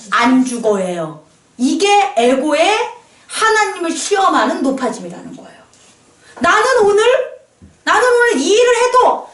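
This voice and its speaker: A woman pastor preaches to her congregation with a high, lively voice that swoops up and down. She keeps asking them questions for answers. The sound is roomy and comes from some distance off the mic. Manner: animated preaching with call-and-response questions. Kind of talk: sermon. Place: small church. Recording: echoey church hall, mic at a distance.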